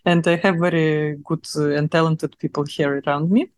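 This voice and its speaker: A woman's voice: deep voice, steady tone, moderate pace, darkish tone, dry recording, clean studio sound. A young adult woman from Russia speaking English with a Russian accent, chatting as an interview guest with many fillers and laughs. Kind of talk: casual interview chat.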